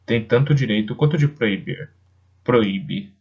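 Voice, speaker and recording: A man reading a defiant young wolf for an audiobook. The voice sits low and gravelly, scornful and insistent. The recording sounds dull and lo-fi. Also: unhurried, exaggerated voice. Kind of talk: audiobook character voice.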